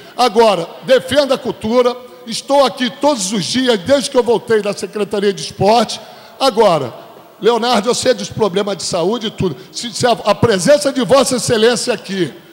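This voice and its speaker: Noticeable background noise sits behind a man's high-pitched, animated voice. He speaks at a moderate pace with ordinary pitch variation. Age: 60s. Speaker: city councillor. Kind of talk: plenary speech. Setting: city council chamber.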